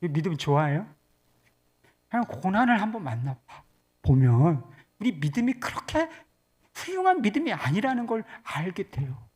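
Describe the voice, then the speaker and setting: A woman pastor preaching in a conversational, animated way, moving between soft and loud. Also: fairly low pitch, normal speed, husky. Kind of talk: sermon.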